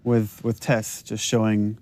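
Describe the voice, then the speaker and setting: A man's voice: on the low side, monotone, slow, a little mellow. A man, the game's director, chatting enthusiastically over cutscenes in a commentary. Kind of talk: developer commentary.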